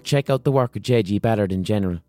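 Hoarse Irish man hosting a podcast. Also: lowish voice, fast talker, darkish tone, soft background music. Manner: passionate, swearing, rhetorical questions. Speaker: podcast host. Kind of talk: solo podcast monologue.

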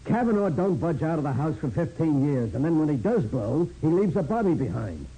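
An actor playing a blunt, bullheaded police sergeant with tough slangy talk in a 1940s radio crime drama. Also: male voice, fairly high pitch, big pitch swings, a little fast, mellow, husky. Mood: blunt, certain. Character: gruff, bullheaded police sergeant, plain-spoken and stubborn. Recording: noisy old 1940s radio broadcast.

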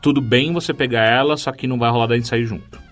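Brazilian dude talking quick on a chatty podcast, bit of music under him. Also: male voice, mid-range voice, steady tone. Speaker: podcast co-host. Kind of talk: casual conversation and reading listener mail. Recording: music behind.

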